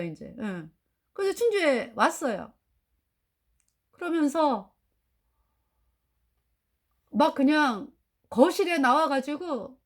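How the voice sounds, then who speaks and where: A middle-aged woman telling a personal faith testimony, animated, acting out dialogue and laughing often. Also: high-pitched. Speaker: church member giving testimony.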